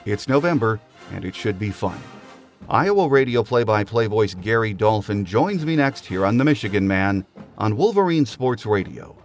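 A man hosting a podcast, reading a prepared monologue in a steady, scripted delivery. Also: on the low side, normal speed, faint music behind. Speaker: podcast host.

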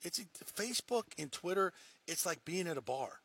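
A man's voice: high-pitched, lively intonation, moderate pace, creaky, a bit bright, husky, dry recording. A man hosting a sports talk show, ranting heatedly and emphatically in casual talk, mocking the people he quotes.

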